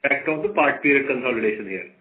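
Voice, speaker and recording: A man's voice: mid-range voice, animated, very fast. A man with an Indian accent giving explanatory answers as a company executive on an earnings call. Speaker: company executive adding clarifications. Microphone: phone conference call. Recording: narrow, tinny phone line.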